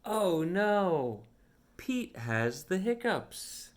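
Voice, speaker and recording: Very slow, animated man reading to children. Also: high-pitched. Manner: simple, deliberate phrasing for small children. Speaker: read-along storyteller. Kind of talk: children's picture book read-aloud.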